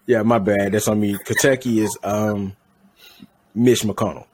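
A man's voice: lowish voice, fairly even intonation, unhurried, a little mellow, slight background noise. A man co-hosting a podcast in casual chat, rambling and correcting his own slips with a laugh. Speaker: podcast co-host.

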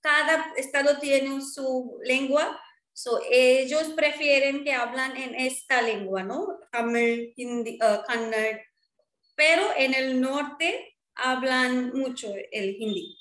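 Slow, high-voiced Indian woman. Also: a bit bright, echoey room. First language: Marwari. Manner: hesitant, searching for words. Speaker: guest, Spanish teacher. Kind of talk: interview.

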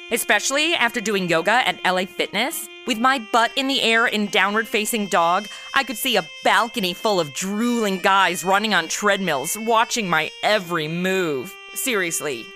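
A woman's voice: medium pitch, normal speed, few pauses, faint music behind. A woman playing a flippant, slangy modern young woman in her twenties in a comedy audio drama. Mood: wry. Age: 20s. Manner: flippant, expressive. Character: sassy, slangy modern twenty-something woman turned detective.

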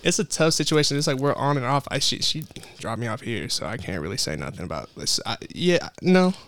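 Young american guy guesting on a chat show, fast and slangy, lots of fry, voice swings around. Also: mid-range voice, very animated, a bit bright, a little hiss or hum. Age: 20s. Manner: slangy, profane, informal. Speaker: guest, music artist. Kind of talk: casual interview chat.

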